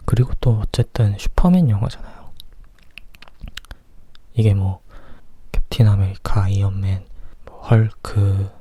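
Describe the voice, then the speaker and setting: A man from South Korea whispering softly and close to the mic in an informal ASMR movie chat, sometimes thinking aloud. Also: on the low side, breathy edge. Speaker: movie review host. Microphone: close microphone.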